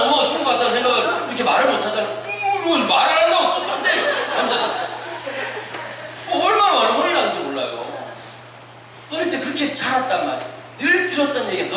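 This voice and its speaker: Man preaching, high voice, very lively pitch, echoey hall, heard from far off, noisy recording. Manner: animated, humorous storytelling with acted-out quotes. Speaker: pastor. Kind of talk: sermon at a winter retreat, storytelling. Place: church hall. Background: audience laughter.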